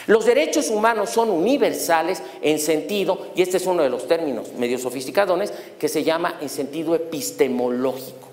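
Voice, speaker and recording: A middle-aged man giving a lecture on law, animated and throwing rhetorical questions at his audience. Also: high voice. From Mexico. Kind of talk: university lecture on human rights. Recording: echoey hall with long reverb.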